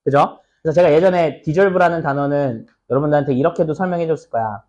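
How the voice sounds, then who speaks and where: A man's voice: on the high side, fast talker, darkish tone, lo-fi sound. A man teaching an English exam passage, chatty and casual, often asking his students "right?" and acting out short scenes. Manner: chatty, asks students "right?" often, acts out little skits. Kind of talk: lecture explaining an exam passage.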